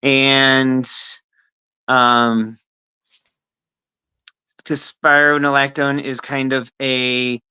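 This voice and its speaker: A woman's voice: extremely low pitch, little pitch movement, very slow, long pauses, smooth, lo-fi sound. Hesitant trans woman podcast guest. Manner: hesitant, soft-spoken, many ums. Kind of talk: casual podcast conversation.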